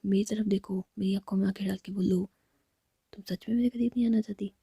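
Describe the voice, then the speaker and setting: A woman's voice: mid-range voice, fairly even intonation, fast talker, mellow, slightly rough, dry recording. Woman whispering as a teasing young woman. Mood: pleading.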